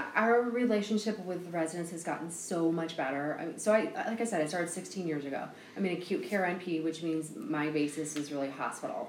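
Over noticeable background noise and audible room echo, a woman with an American accent talks at a fairly quick pace with hardly any pauses, using a fairly low pitch and ordinary pitch variation. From Chicago. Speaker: nurse practitioner. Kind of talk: interview. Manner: hesitant, many fillers.

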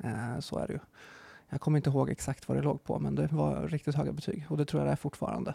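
Very fast speech comes from a man. The sound is dry and close, with no echo. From Sweden, Örebro. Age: 40s. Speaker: engineer. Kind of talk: interview conversation.

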